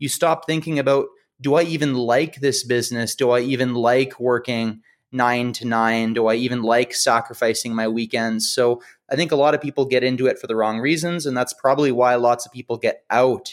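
A man speaks in a plain, everyday voice at a medium pitch and a fairly quick pace, his intonation fairly even, on a very clean recording with a silent background. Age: 30s. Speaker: entrepreneur and growth manager. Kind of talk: casual interview.

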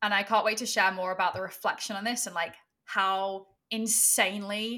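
A woman with a British accent, bright, sharp and animated, enthusiastic in tone, at a fairly quick pace in a very clean recording with a silent background. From England. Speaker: podcast host and sex coach. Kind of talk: casual chat, podcast interview.

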